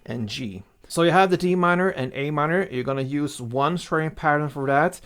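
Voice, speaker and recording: A man's voice: on the high side, normal speed, a bit bright, clear, resonant tone. A man giving casual, step-by-step guitar instruction, counting out strumming strokes as he goes, with acoustic guitar behind him. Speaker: guitar teacher. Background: acoustic guitar playing.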